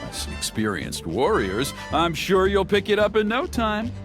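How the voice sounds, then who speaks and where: An earnest tribal man in a video game. His delivery swings widely up and down, expressive and easily exasperated. Prominent music plays behind him. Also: high-pitched, measured pace, heavily acted. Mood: hopeful, grateful. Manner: expressive, grumbling, mimics others mockingly. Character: earnest, exasperated tribal elder man organizing a fire ceremony. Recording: loud background music over voice.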